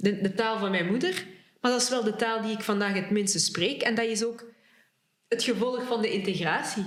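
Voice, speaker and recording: A woman's fairly high voice at a moderate pace, with ordinary pitch variation and audible room echo. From Congo, raised in Flanders. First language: Lingala (speaking Dutch). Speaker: historian and author on Congo. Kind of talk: podcast interview.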